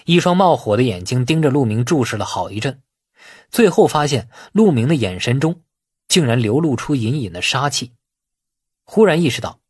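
A man reading a novel as a dramatic audiobook narrator, with expressive storytelling. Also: mid-range voice, moderate pace, breathy edge, dry recording, studio quality. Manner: expressive storytelling, acting out dialogue.

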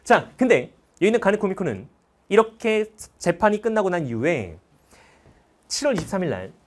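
Guy teaching history, high voice, very expressive, tells it like a story and keeps asking the class stuff. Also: a little fast. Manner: dramatic storyteller, quizzes listeners with questions. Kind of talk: lively lecture retelling a film.

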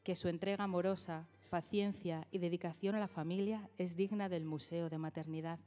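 A woman reads a written tribute aloud in a measured, affectionate way. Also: fairly low pitch, steady tone, mellow, soft background music. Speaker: reader of a tribute. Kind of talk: reading a written text aloud.

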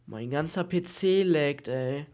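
Male gaming host, nasal with a cold, excitable and repetitive, pitched a little high. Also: slow pace. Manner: excitable, exclaims and repeats himself. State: has a cold. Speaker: gaming YouTuber. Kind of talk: excited Minecraft let's-play chat.

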